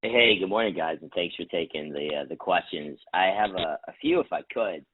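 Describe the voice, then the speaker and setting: A man calling in as a financial analyst, asking casual, halting questions on an earnings call. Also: deep voice, slightly rough, no echo. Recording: dry, narrow phone-line caller.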